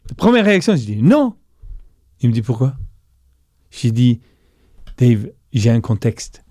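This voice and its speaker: A middle-aged man recounts a business deal as an interview guest, bringing it to life and voicing the other people in the story. His voice is mellow and warm. The recording is dry and close. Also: mid-range voice, a little slow, no room sound. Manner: animated storyteller, voices quoted dialogue. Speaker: guest entrepreneur.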